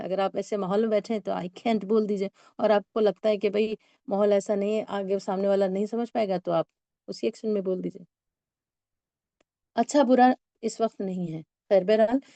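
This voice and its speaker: A woman teaching a spoken English lesson, patiently explaining and reading example sentences slowly, word by word. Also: mid-range voice, dark tone, dry recording, dull audio.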